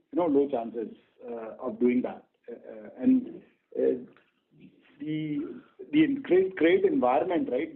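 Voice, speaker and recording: Indian exec guy on a conference call, highish creaky voice, halting and repeats himself, dull muffled line. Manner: halting, repetitive, says "you know" often. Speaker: bank executive. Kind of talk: earnings call answers. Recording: muffled band-limited conference phone line.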